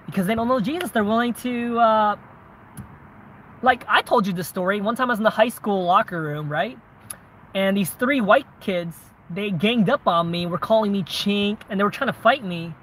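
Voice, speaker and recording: The recording is rough, with slight background noise, as a man with a high, slightly bright voice talks at a moderate pace. He's a Southern vlogger casually answering viewer questions, often adding tag questions like "right?" plus "man" and "bro."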